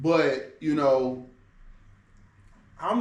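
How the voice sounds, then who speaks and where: Audible room echo accompanies a man with an American accent and a fairly high pitch. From US Midwest, Detroit, Michigan. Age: 20s. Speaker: traveler. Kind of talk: interview. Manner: casual.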